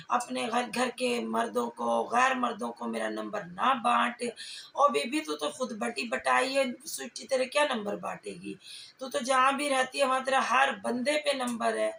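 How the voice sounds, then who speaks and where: Woman, creaky voice, taunting confrontational commentary, rhetorical questions, faint noise in the background. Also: fairly high pitch, pushed and bright, echoey room. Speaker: reaction vlogger.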